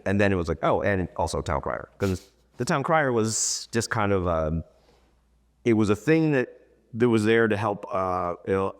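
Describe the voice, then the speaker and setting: A man's voice: fairly low pitch, clean tone. A man speaking as an interview guest in a casual, conversational way, rambling through stories with little quoted asides. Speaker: interview guest, town crier and tour guide.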